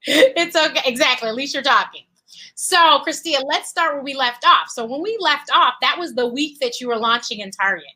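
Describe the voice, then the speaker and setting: Bright-voiced woman hosting a talk show. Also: high-pitched, animated, fairly quick. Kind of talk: upbeat interview hosting.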